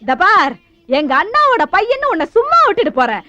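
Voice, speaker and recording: A fiery scolding aunt. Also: female voice, very high-pitched, big pitch swings, sharp tone, no room sound, faint music behind, full character voice. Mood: angry. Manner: scolding, sarcastic, quick retorts. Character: sharp-tongued middle-aged aunt, fiery and scolding. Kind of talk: film comedy scene. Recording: dull lo-fi film audio.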